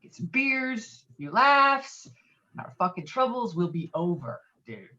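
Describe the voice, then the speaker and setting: A woman's voice: medium pitch, sing-song, unhurried, pushed and bright. Woman playing a brash, blustering guy, lo-fi audio. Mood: scheming, sure. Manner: blustering, swearing, insistent. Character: brash, foul-mouthed, domineering male friend named Walter. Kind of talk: virtual table read of a film script. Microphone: video call.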